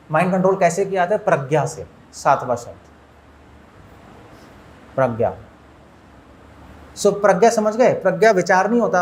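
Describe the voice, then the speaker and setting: A man's voice: high-pitched, darkish tone, a little hiss or hum. A man, a monk, giving a spiritual lecture to an audience, asking them questions and mixing in English words. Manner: asks listeners questions, mixes in English words.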